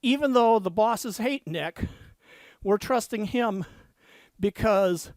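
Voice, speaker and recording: A man's voice: high-pitched, expressive, takes it slowly, no echo. A man dictating fiction aloud, speaking his punctuation, winded from walking on a treadmill desk. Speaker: author dictating a novel. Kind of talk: dictating fiction aloud, then casual chat.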